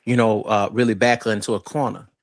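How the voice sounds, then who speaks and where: A man's voice: fairly low pitch, flat delivery, fast talker, dry recording, clean studio sound. A man on a casual panel discussion, handing out advice in a descriptive way.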